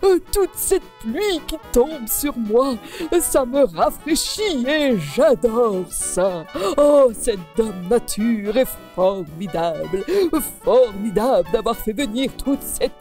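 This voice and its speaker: Smitten mushroom man, voiced by a woman: high, slow, delighted. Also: lively intonation, darkish tone, faint music behind. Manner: delighted, exclaiming. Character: cheerful, smitten male mushroom.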